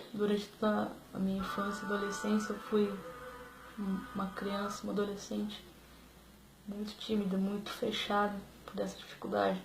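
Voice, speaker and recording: A woman talks at a moderate pace in a monotone, flat intonation with a medium pitch, leaving long, frequent pauses. Audible room echo and noticeable background noise are present. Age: 20s. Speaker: person who stutters sharing her story. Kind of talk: testimony. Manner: halting, with repetitions.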